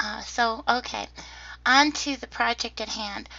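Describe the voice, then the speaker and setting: The voice has vocal fry and a monotone, flat intonation. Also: woman. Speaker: 3D modeling tutor and virtual world creator. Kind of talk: software tutorial. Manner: hesitant with many fillers.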